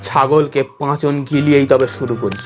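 A man's voice: medium pitch, steady tone, brisk, faint music behind, natural voice. A man playing a boastful, zealous youth set on doing good, declaiming grandly in a comic audio drama. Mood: earnest, bossy.

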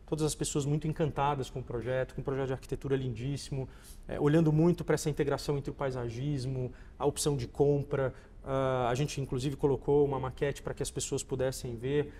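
A man's voice: medium pitch, fairly even intonation, fast talker, mellow. Brazilian man, echoing interview sound. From Goiás, Brazil. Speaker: interview guest, shopping mall executive. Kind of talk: polished conversational interview answers. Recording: reverberant space with faint background noise.

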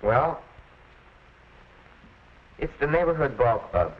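A nervous, sheepish teenage boy in a 1940s film, hesitating as he speaks. His pitch rises and falls freely, and the sound is dull. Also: very animated, slow pace.

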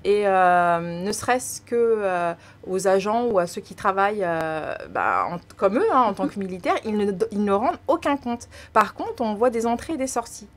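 A woman in her thirties co-hosts a radio talk show, teasing the guest and pushing them with questions in casual studio chat. Her mid-range voice is expressive, at a moderate pace with hardly any pauses. She speaks into a boom-mounted studio mic while wearing headphones.

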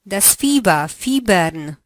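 A woman running a language lesson, giving slow, carefully articulated prompts for the learner to answer. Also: mid-range voice, lively intonation, dry recording, clean studio sound. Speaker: language teacher.

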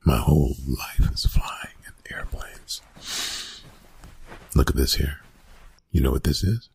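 A man playing a gruff, reluctant young college bully in an ASMR roleplay, talking in a hushed, halting, casual way. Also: extremely low pitch, heavily acted. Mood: casual, warming up. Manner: hushed, halting, casual, often breathy whispering. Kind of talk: ASMR roleplay, intimate one-sided dialogue.

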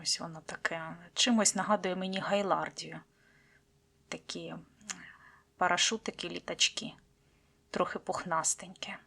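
A woman talking casually as she unboxes seed packets, fond of diminutives, often dropping to a soft whisper. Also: lowish voice, fairly even intonation, normal speed, gravelly, pauses often. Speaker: gardening vlogger.

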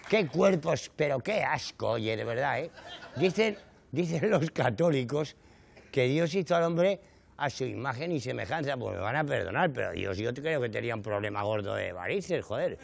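A man's voice: mid-range voice, expressive, moderate pace, creaky, a faint crowd, slight background noise. A middle-aged man with a Canary Islands Spanish accent performs a stand-up monologue, telling his stories with indignant exaggeration and frequent rhetorical asides to the audience. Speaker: comedian. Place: studio stage before a live audience.

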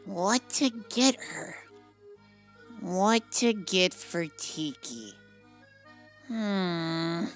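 A woman's voice: lowish voice, expressive, extremely slow, long pauses, faint music behind. A woman voicing a lovesick, greedy male black cat sprite with a melodramatic, swooning manner in a cartoon dub. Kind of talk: comic dub cartoon acting.

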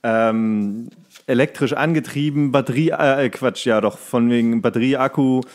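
A man's voice: mid-range voice, moderate pace, darkish tone. A man co-hosting a casual comedy podcast, chatting in a rambling, colloquial way with crude jokes. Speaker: podcast co-host.

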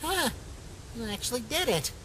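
A woman's voice: a little high, very animated, normal speed, a bit bright, a little hiss or hum, poor audio. A woman voicing an anxious, protective talking flower in a comic dub, earnest and cautioning. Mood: earnest concern.

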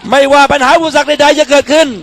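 A man's voice: extremely high pitch, level tone, fast, vocal fry, a bit bright. A man speaking at a political rally, declaiming in short, emphatic phrases as he urges people to back a candidate. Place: public campaign rally in Thailand.

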